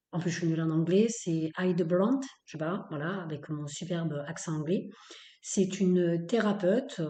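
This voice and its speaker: A woman's voice: low voice, dark tone, echoey room. A woman hosting a spoken podcast episode, talking in a blunt, opinionated way, with many fillers and repeated phrases. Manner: emphatic, repetitive, with many fillers. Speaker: podcast host.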